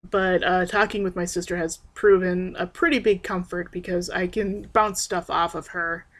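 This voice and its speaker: A young trans man rambling in a personal video diary, hesitant and soft-spoken with frequent pauses and restarts. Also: high-pitched, steady tone. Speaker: vlogger.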